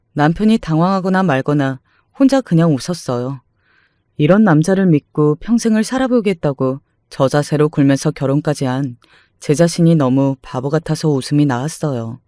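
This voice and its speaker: A woman's voice: low voice, animated, moderate pace, warm tone, dry recording, clean studio sound. A woman reading a scripted first-person story as a dramatic narrator.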